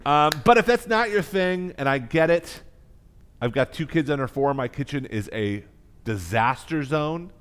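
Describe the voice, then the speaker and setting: A man's voice: fairly high pitch, lively intonation, measured pace, fairly bright tone, smooth. An American man hosting a live online cooking class as chef instructor, speaking with effusive, emphatic enthusiasm. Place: kitchen.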